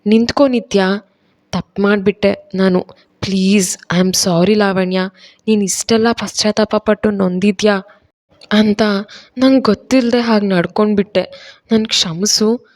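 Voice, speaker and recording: A woman voicing a jealous, sharp-tongued pregnant young wife in a storybook reading. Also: medium pitch, fairly even intonation, unhurried, close to an everyday voice. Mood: pleading. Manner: scornful, then pleading.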